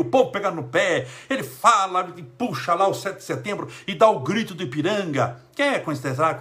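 Brazilian male spiritual speaker, high bright voice, animated and joking, faint music behind. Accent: Brazilian Portuguese. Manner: animated, joking, addresses listener directly. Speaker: spiritist lecturer. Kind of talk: motivational spiritual talk.

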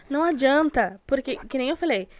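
A woman's voice: high voice, animated, unhurried. A woman with a Rio Grande do Sul accent, talking bluntly in a casual chat, rambling and repeating herself. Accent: Rio Grande do Sul Portuguese. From Rio Grande do Sul, Brazil.

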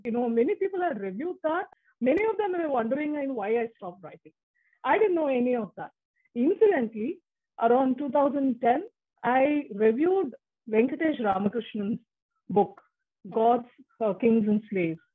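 A woman's voice: sits high, lively intonation, moderate pace, husky. A woman in her forties whose first language is Tamil, talking casually as an interview guest, chatty with frequent restarts. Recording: muffled phone-like line.

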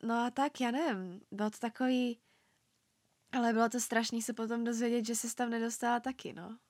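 A woman's voice: on the high side, steady tone, a little mellow, dry recording. A young woman co-hosting a podcast in casual chat, agreeing eagerly and using lots of fillers. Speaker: podcast co-host.

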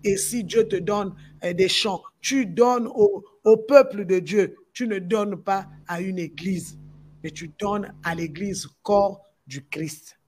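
A woman's voice: medium pitch, slow, darkish tone, a little hiss or hum. Emphatic Congolese gospel singer woman. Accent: Congolese French. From Democratic Republic of the Congo. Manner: emphatic, repeats phrases for stress. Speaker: gospel musician. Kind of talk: impassioned talk-show discussion.

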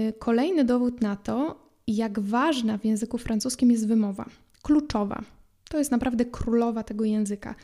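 Woman, French teacher, podcast lesson, soft mellow voice, slightly high pitch, clear explanations. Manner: clear and explanatory, spells out letters slowly.

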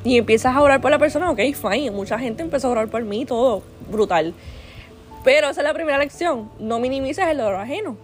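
A woman's voice: high voice, animated, a little fast, faint music behind. Chatty young woman. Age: 20s. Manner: chatty, rambling with many restarts and fillers; earnest, faith-minded advice giver. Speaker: vlogger. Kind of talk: casual personal storytelling.

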